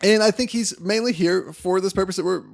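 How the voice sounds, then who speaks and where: A man's voice: sits high, a little fast, creaky. A man co-hosting a podcast, discussing a film casually and with enthusiasm. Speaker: podcast co-host.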